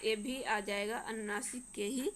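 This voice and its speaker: A woman's voice: medium pitch, fairly even intonation, unhurried, a bit bright, a little hiss or hum. A woman teacher with a Madhya Pradesh Hindi accent, working through a worksheet and sounding out each letter one by one. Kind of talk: worksheet lesson walkthrough.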